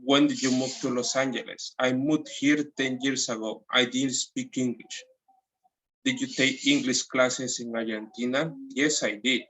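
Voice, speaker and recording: A man with a Mexican Spanish accent, teaching English from a textbook and reading the lines slowly with restarts. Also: medium pitch, fairly even intonation, a bit bright, low-quality recording. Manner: reads slowly, with restarts and nonstandard grammar. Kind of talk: textbook lesson, repeating audio lines.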